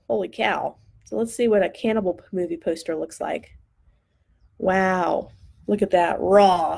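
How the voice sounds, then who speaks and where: A woman's voice: medium pitch, creaky, darkish tone. A woman in her thirties talks through student poster designs on a live stream, upbeat and chatty as she thinks aloud. Her voice sounds worn and starts to crack after long use. She speaks into a desk mic in a home studio.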